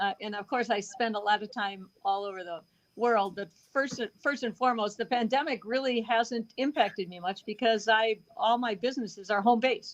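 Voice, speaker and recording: A woman's plain, everyday voice at a moderate pace, fairly high in pitch, with ordinary pitch variation and big swings in loudness. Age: 60s. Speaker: lawyer, entrepreneur and speaker. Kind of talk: casual interview.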